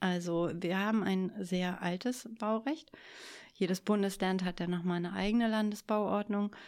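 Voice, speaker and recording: In a very clean recording with a silent background, a woman speaks at a moderate pace in an ordinary speaking voice. Her pitch is medium and her intonation fairly even. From northern Germany, Angeln region of Schleswig-Holstein. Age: 40s. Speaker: tiny-house project organiser. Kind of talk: interview.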